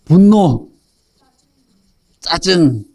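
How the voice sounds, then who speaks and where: A man's voice: a little high, animated, very slow, dark tone. A man teaching a Sunday school Bible lesson to children, telling the story and quizzing them by name in a playful way. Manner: playful, joking.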